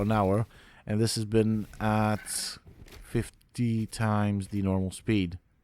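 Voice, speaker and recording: A man's fairly low pitch in a monotone, flat intonation. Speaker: gaming youtuber. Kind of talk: gameplay commentary; channel outro.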